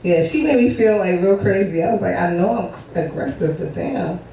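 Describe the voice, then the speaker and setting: A loud, laughing woman with a New York accent banters as co-host of a live talk show. She sits back from the microphone in a very echoey studio, with a faint hum of ambience behind her. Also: on the low side, normal speed, distant mic. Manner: loud, laughing, talks over others.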